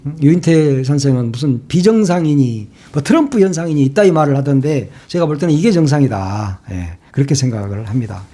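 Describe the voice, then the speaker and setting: A man's voice: medium pitch, animated, a little fast, few pauses, warm tone. A man giving solo political commentary, opinionated and emphatic, often asking rhetorical questions.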